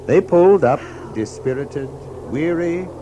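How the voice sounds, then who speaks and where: A man's voice: fairly high pitch, lively intonation, measured pace, lo-fi sound, noisy background. A man narrating a children's story in a dramatic, scripted storybook style. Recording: music behind the narration.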